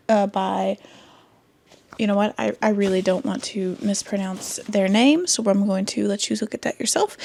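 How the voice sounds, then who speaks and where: Congested woman with a gravelly voice. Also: medium pitch, darkish tone. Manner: rambling, self-correcting, laughs often. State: congested from a cold. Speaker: booktube host. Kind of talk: casual book review chat. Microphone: desk microphone.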